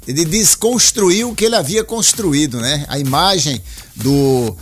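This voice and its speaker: Over soft background music, a man with a highish voice speaks a little slowly as he hosts a sports and call-in radio show. It's loose, chatty football talk with listener calls, his sentences often closing on a questioning "né?".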